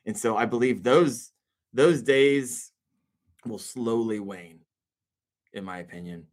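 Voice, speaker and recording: A man's voice: mid-range voice, slow pace. A man who is a guest on a casual podcast, talking with confident, emphatic opinions.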